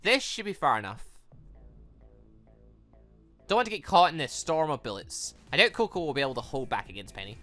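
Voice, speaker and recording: An excitable gaming YouTuber reading a visual novel aloud and commenting on it in an animated, exclaiming manner. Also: medium pitch, fairly quick, pauses often. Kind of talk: let's play commentary mixed with reading dialogue aloud. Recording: music behind the voice. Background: video game music.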